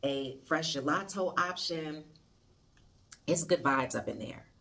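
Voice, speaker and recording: With an American accent and an animated tone, a woman speaks at a very deep, low pitch with ordinary pitch variation over noticeable background noise. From US West Coast, Los Angeles California. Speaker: podcast host and relocation consultant. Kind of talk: casual vlog talk to camera.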